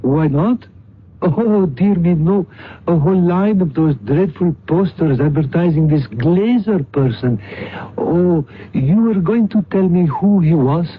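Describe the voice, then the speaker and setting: High-voiced, courtly Arab sheikh. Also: male voice, animated, unhurried. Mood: mannered, courtly. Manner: mannered, flowery, formally polite. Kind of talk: old-time radio drama acting. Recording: muffled, noisy, phone-like old radio recording.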